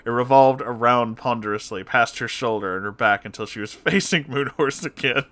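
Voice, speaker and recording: A man reads a horror comedy story aloud with theatrical expression. His voice is mid-pitched and bright, with a forceful edge. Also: moderate pace. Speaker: story reader, online host. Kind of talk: dramatic comic horror story narration.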